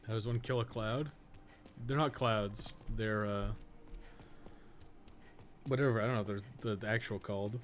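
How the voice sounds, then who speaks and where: A man's voice: fairly low pitch, steady tone, normal speed, long pauses. A man giving casual live gameplay commentary, thinking aloud in a rambling, sweary way with jokey asides. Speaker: video game streamer, podcast co-host. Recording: clearly noisy background.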